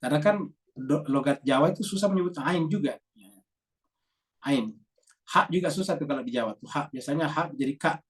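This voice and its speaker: A man, an Islamic teacher, giving a religious lecture to a congregation and explaining things patiently, often repeating key words and adding a drawn-out "ya". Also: a little high, distant mic.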